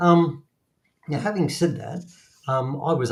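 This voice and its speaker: This man has an Australian accent. His voice is somewhat breathy. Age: 60s. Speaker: church member sharing experience. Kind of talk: panel discussion testimony. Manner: hesitant, many fillers.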